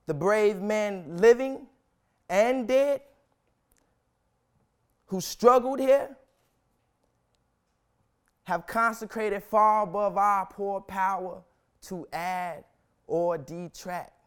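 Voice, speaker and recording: A young man reciting a historic speech as solemn, dramatic oratory, with deliberate, emphatic phrasing and long pauses. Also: high voice, clear, resonant tone. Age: young adult.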